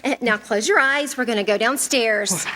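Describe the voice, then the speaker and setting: A woman's voice: a little high, moderate pace, pushed and bright, rough recording. A woman playing a loving, eager young wife and mother, affectionate and urgent, in a staged radio drama. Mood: excited, tender. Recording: live stage, faint noise, clicks.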